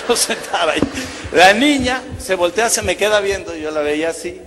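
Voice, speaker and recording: A man's voice: high-pitched, moderate pace, music in the background, a crowd in the background. A Mexican man, a broadcaster, tells a joking, self-mocking personal testimony to an audience in a large hall. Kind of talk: humorous testimony storytelling to an audience.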